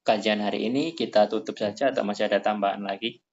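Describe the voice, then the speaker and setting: A man hosting a casual religious study talk, animated, his voice climbing high when he quotes people. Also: quick pace, gravelly, slight background noise. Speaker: study session host. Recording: dull lo-fi sound.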